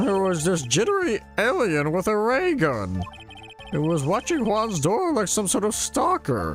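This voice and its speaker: A man does a put-on character voice at a high pitch while clear music plays in the background. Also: moderate pace. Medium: game stream. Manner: hesitant, unsure.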